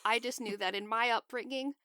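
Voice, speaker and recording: A woman's voice: on the high side, steady tone, fairly quick, sharp tone, no room sound, clean studio sound. A woman co-hosting a podcast, explaining a topic in a chatty, casual way. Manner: explanatory, chatty, laughs often. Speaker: podcast co-host. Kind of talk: casual chat.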